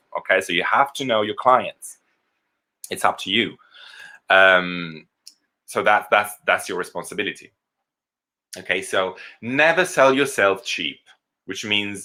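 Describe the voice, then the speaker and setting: With an Italian accent, a man speaks at a fairly slow pace and fairly low pitch, his tone bright and sharp, his intonation lively, and his pauses long and frequent. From Italy. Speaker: actor and voiceover artist. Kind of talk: online lesson, casual talk.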